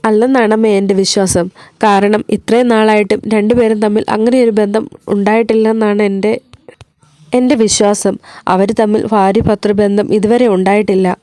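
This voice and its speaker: A woman's voice: mid-range voice, fairly even intonation, normal speed, mellow, no room sound, lightly acted. A woman voicing a worried middle-aged mother who pleads anxiously. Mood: distressed.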